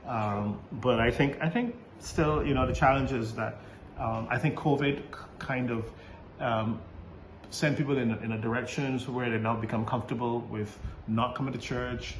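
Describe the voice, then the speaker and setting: A man in his fifties, a Catholic priest, answering interview questions in a halting way with many restarts and easy laughs. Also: medium pitch, steady tone. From Barbados. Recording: roomy recording with faint background noise.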